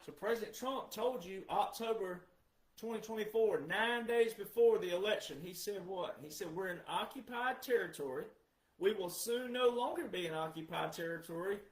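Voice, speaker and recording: Male commentator, high register, roomy echo; emphatic, repeats key words for stress. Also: normal speed. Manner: emphatic, asks rhetorical questions then answers them. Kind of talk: monologue commentary.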